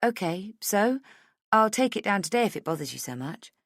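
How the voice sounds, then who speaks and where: A woman's voice: medium pitch, very animated, moderate pace, no room sound, clean studio sound, pitched above the performer's own voice. Woman acting an insistent, defensive female podcaster. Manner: pleading, argumentative. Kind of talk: audiobook character dialogue.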